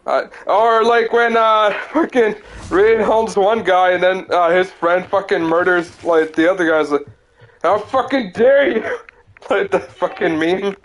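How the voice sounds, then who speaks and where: A man's voice: high-pitched, fairly even intonation, a little slow, a little hiss or hum. A young man streaming a game, rambling, laughing and swearing in casual chat.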